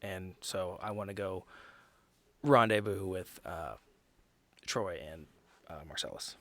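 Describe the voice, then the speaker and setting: A man chatting casually as a tabletop game player, halting and wisecracking as he slips into character. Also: low voice, fairly bright tone, no echo.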